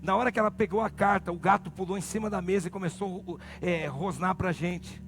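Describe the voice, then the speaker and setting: A male pastor with a Brazilian accent preaching a sermon, swinging from low murmurs to loud shouted peaks. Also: a little fast, vocal fry. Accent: Brazilian Portuguese. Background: music.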